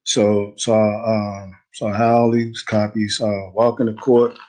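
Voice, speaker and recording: A man in an interview, retelling a court visit in a rambling, animated way, quoting what people said. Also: fairly low pitch, measured pace, rough recording. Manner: rambling, animated retelling with slang and quoted dialogue. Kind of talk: casual storytelling.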